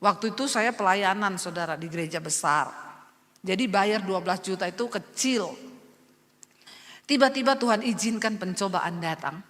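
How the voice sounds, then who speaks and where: Brief: woman pastor, emotional testimony sermon, bright and forceful voice, church hall echo. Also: medium pitch, moderate pace. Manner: earnest, emotional storytelling addressing the congregation. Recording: long church hall reverb.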